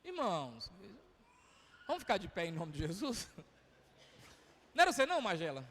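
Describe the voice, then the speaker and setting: A man's voice: high-pitched, wildly swooping pitch, moderate pace, fairly bright tone. A man with a Brazilian accent, a pastor preaching a sermon in a chatty, humorous storytelling way. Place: church. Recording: reverberant church hall.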